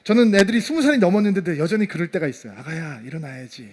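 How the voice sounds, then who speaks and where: A middle-aged male pastor preaching a sermon, swinging from loud emphasis to soft, hushed tones. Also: sits high, very animated, racing.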